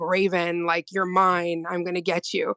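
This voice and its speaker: A woman's booming, put-on character voice, fairly low in pitch, at a moderate pace. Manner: menacing, threatening.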